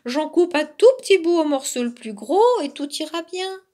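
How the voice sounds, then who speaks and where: A woman's voice: a little high, very animated, moderate pace, a bit bright. A woman voicing a sly male fox who coaxes and soothes with false kindness. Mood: coaxing.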